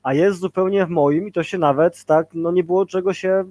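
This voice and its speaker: A man's voice: high-pitched, fairly even intonation, brisk, a little mellow, no room sound. A man in his forties talking casually on a video call as a guest leadership trainer, rambling with many fillers and tag questions.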